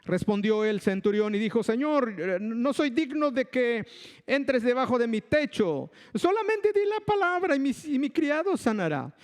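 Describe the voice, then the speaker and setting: A male preacher giving a sermon, emphatic and slow, repeating his phrases for weight. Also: very high voice, big pitch swings, long reverb tail. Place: church hall.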